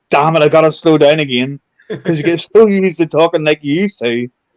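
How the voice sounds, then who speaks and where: The recording has a dry, close sound with no echo. A man with a Northern Irish accent talks at a fairly high pitch with ordinary pitch variation. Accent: Northern Irish, slightly slowed. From Northern Ireland, Belfast. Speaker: podcast host, paranormal investigator. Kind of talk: casual chat.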